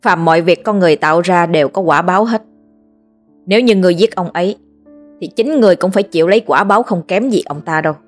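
A woman's voice: fairly low pitch, faint music behind, close to an everyday voice. A woman voicing a stern older male village exorcist who speaks curtly and commandingly. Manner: curt, commanding, rapid.

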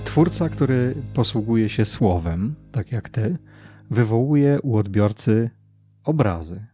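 A man's voice: medium pitch, lively intonation, slow pace, warm tone, faint music behind. A man hosting a conversational interview, phrasing his thoughts in a reflective, tentative way. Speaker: podcast host, interviewer.

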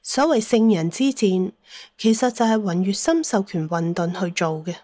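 A woman's voice: medium pitch, animated, normal speed, warm tone, no echo, studio quality. A woman narrating a scripted dramatic story as an audiobook narrator.

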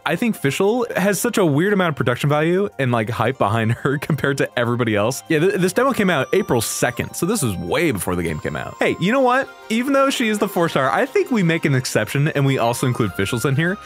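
A young man giving casual, slangy and excitable reaction commentary as a video creator, swearing freely. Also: a little high. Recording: music playing behind the voice. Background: game trailer music.

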